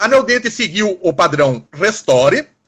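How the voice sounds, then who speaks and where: A bright, sharp tone in a raised, projected voice. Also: man. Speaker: guest professor of dental prosthetics. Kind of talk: live-stream teaching talk. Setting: Instagram live video call. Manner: fast; fluid.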